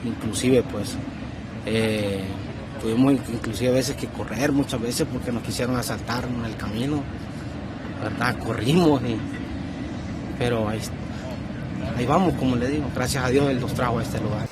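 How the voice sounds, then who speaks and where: A man's voice: medium pitch, normal speed, pauses often. Hesitant young Honduran man amid street noise. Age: 30s. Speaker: migrant being interviewed. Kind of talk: informal spoken testimony. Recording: noisy outdoor street with traffic.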